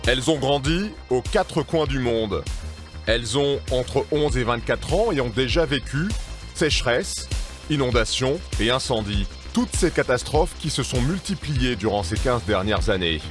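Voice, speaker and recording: A man reading a scripted documentary narration in a measured, serious voice. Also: mid-range voice, expressive. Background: music.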